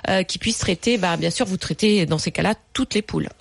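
A woman's voice: lowish voice, fairly quick, creaky, dry recording. A woman veterinarian giving chatty, patient advice to callers on a radio show. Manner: chatty, explanatory, many fillers.

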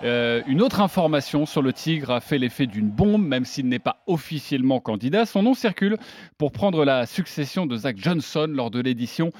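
A man hosting a golf talk podcast, presenting the show and its guests in lively scripted fashion. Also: mid-range voice, moderate pace. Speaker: podcast host.

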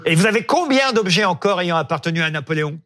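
A man hosting a live evening news talk show, asking guests brisk, playful questions. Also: sits high, animated, a bit bright. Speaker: TV host.

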